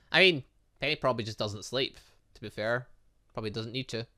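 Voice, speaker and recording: A man's voice: medium pitch, normal speed. A man hosting a gaming video, reading visual novel dialogue aloud with casual asides, stumbling over words and correcting himself. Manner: animated, exclaims and reacts playfully.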